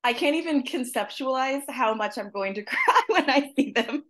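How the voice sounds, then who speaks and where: A woman's voice: high-pitched, expressive, moderate pace, a bit bright. A woman author being interviewed from her apartment, chatty and upbeat, laughing often. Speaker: author guest. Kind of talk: casual interview chat.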